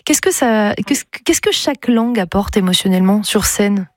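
A woman radio host presenting and interviewing in a brisk, announcer-like way. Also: mid-range voice, lively intonation, darkish tone, no echo, clean studio sound. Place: radio studio. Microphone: studio microphone.

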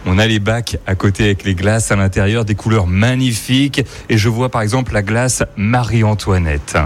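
A man's voice: on the low side, moderate pace, a little hiss or hum. Chatty male radio reporter on location. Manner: chatty, enthusiastic. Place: ice cream shop.

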